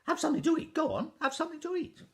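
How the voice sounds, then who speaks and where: A storyteller voicing a big, kindly giantess who coaxes her guests in a loud, motherly way. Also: high voice, very animated, racing, voice pushed up. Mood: coaxing.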